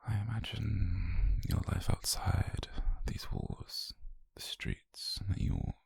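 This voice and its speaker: Man acting deep, whispery, obsessive British doctor. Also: wildly swooping pitch, a little mellow, dry recording, exaggerated voice. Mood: obsessive, intimate. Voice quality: breathy, husky near-whisper. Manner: slow, halting, intimate delivery. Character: calm, obsessive, possessive male yandere doctor. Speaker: ASMR roleplay performer. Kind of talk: whispered ASMR roleplay.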